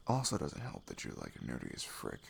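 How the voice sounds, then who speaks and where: A man acting as a sweet, shy best friend in an ASMR roleplay. His soft voice swings expressively and often sinks toward a whisper, with hesitant, tender phrasing. Faint night insects sit behind him. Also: extremely low pitch, wildly swooping pitch, creaky, a little hiss or hum, full character voice. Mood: tender, earnest. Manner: hesitant, halting, chatty and tender. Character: sweet, nerdy male best friend, shyly affectionate. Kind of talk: intimate ASMR roleplay, soft improvised-sounding talk.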